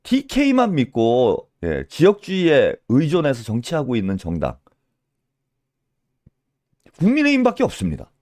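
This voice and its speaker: A male political commentator delivers a solo rant in a scolding tone. He hammers home rhetorical questions with a pushy "eh?", and his pitch leaps up and down dramatically. The sound is close and dry, with no room echo. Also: huge pitch swings, moderate pace, pauses often, a little mellow.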